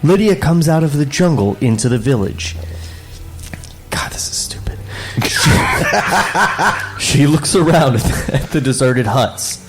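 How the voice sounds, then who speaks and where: Man, co-host, comedic table read, wry asides, slightly high voice, very animated delivery. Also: music in the background. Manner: wry, quick asides, laughs often. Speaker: co-host reading stage directions.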